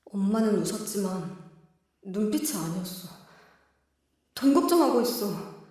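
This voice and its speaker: Audio drama teen heroine: self-sacrificing, resolute, measured pace, soft-edged husky voice. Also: female voice, medium pitch, lively intonation, dry recording, studio quality. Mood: troubled, pensive. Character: earnest, resolute teenage daughter, worried but self-sacrificing.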